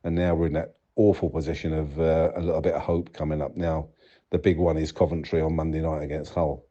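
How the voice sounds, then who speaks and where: Very deep-voiced man, dull lo-fi recording. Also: flat delivery, a little fast, mellow. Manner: conversational, frequent "you know". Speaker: football fan giving match reaction by voicemail. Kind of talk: casual spoken match analysis.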